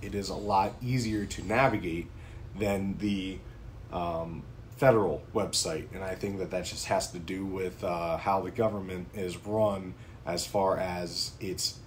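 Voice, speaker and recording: A man in his thirties talks straight to camera about his interest in casual vlog style, his voice sitting on the lower side. He drifts through fillers and restarts in an easygoing, unscripted way. The recording is from a small home office with a faint hiss of room noise behind him. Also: fairly even intonation, a little slow. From Pennsylvania, United States. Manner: informal, conversational, frequent ums and uhs. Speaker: prepping channel host. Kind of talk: casual talking-head vlog.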